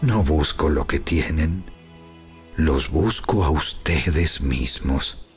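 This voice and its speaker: A man takes the role of a humble, earnest apostle for a scripture dramatization, his narration grave, deliberate and resounding. His voice is exaggerated and animated, with soft music playing behind him.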